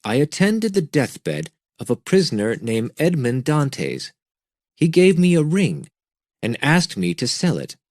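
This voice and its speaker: A man voicing a pale, grave priest on a secret mission, speaking in a calm, measured way, recorded dry and close. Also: a little high, dry recording, voice pushed up, exaggerated voice. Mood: solemn.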